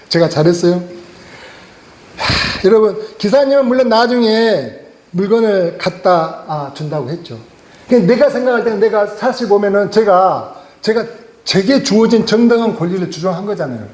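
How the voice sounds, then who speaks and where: A man's voice: high-pitched, a little mellow, roomy sound. A man pastor preaching a sermon, telling a personal story, laughing often and asking the congregation questions. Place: church sanctuary.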